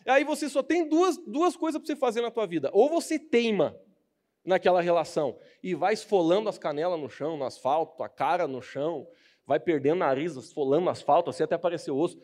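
A man's voice: sits high, a little fast, darkish tone. A young man with a Brazilian Portuguese accent giving a casual, joking youth sermon as a preacher, acting out the people he quotes.

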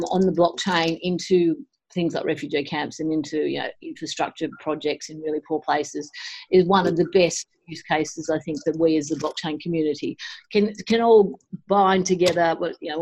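A woman's voice: fairly low pitch, darkish tone, low-quality recording. A woman answering interview questions at a conference, earnest and determined, with many restarts. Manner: earnest, frequent restarts and fillers. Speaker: guest.

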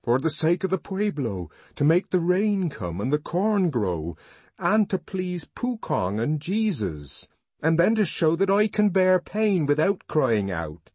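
A man voicing an intense, proud young man who declaims slowly with a voice trembling with emotion. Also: on the low side, sing-song, a little mellow, husky, no room sound, full character voice.

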